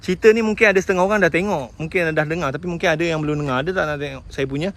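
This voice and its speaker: A man's voice: on the high side, rapid-fire, fairly bright tone. A man with a Malaysian Malay accent giving an emotional motivational talk about his own struggles, often calling out to his listeners and mixing in English words. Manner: emotional storytelling, addresses listeners as tuan-tuan, mixes in English words. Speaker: sales agent sharing his story.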